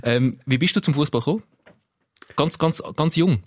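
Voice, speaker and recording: A man's voice: a little high, moderate pace, dry recording. A man with a Swiss German accent hosting a casual podcast, asking questions and sharing anecdotes. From Switzerland. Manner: relaxed, asks questions and tells anecdotes. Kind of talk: casual chat.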